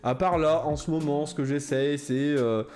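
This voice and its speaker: A man's voice: fairly high pitch, normal speed, a little mellow, soft background music. A man chatting casually while opening trading card packs, rambling with many fillers and repeated phrases. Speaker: Pokémon card opener. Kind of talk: casual pack-opening chat.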